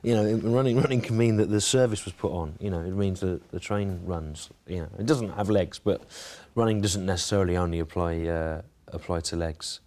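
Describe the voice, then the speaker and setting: A man's voice: deep voice, fairly quick, few pauses, a little mellow. A man from the Midlands being interviewed, answering in a dry, hesitant, mock-earnest way. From English Midlands. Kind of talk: deadpan comic interview.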